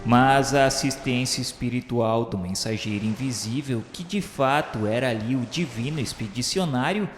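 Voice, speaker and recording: Moving at a moderate pace with few pauses, a Brazilian-accented man uses his mid-range voice to declaim a solemn radio novela. It's a scripted literary narration of a spiritual history, delivered formally and reverently, with music beneath him and the echo of a reverberant hall.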